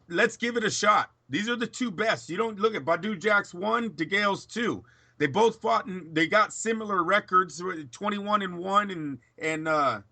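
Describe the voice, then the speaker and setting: A man talking boxing in a casual chat, opinionated, in quick bursts with fillers and restarts. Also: on the high side, bright, forceful tone. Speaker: boxing pundit.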